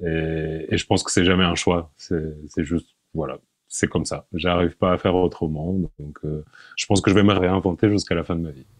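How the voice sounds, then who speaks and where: A man in his forties, a podcast guest, talking in a relaxed, hesitant way, often repeating words and laughing. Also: deep voice, normal speed, no room sound. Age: 40s. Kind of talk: casual interview.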